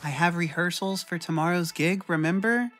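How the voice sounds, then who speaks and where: A man's voice: high voice, moderate pace, a bit bright, soft background music, voice pushed up. A man voicing a sullen, anxious teenage daughter in a dramatized story. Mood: sullen, sarcastic.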